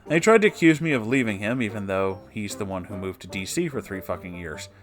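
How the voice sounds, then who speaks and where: A man's voice: on the low side, animated, fast talker, faint music behind. A man narrator reading a written personal story aloud, with brief asides of his own. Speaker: narrator reading online stories.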